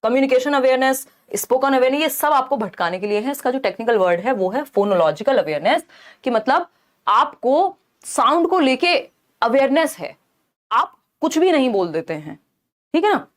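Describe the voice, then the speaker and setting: A woman's voice: sits high, lively intonation, moderate pace. A young woman teaching an exam-prep lesson, explaining each answer by rephrasing it and asking rhetorical questions.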